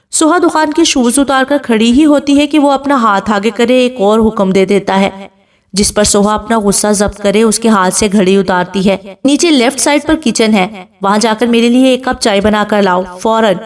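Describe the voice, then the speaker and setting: A woman storyteller reading a romance novel aloud with steady, expressive narration. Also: fairly high pitch, recorded from a distance.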